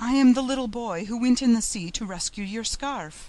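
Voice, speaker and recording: This man uses a put-on character voice at an extremely high pitch. He goes at a moderate pace. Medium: read story. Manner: earnest, emotional.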